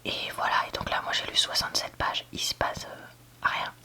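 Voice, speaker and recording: A book reviewer giving a candid, hesitant ASMR review in a soft library whisper, often searching for words. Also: normal speed. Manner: soft library whisper, almost entirely unvoiced. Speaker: book reviewer, video host.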